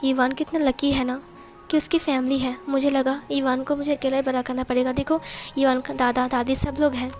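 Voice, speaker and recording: A woman voicing a gentle, shy young man in a story retelling, speaking softly and tenderly. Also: high voice, flat delivery, fairly quick, faint music behind, natural voice.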